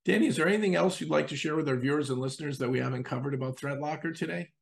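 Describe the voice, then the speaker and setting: A man's voice: fairly high pitch, rapid-fire, creaky. A man hosting a podcast interview, enthusiastic and acting out what users say. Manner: enthusiastic, acts out quoted users. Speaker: host.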